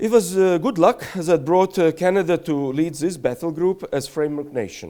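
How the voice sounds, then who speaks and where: This man has a Latvian accent and a fairly high pitch. His tone is dark and mellow. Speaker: ambassador. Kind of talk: lecture. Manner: reading aloud; halting.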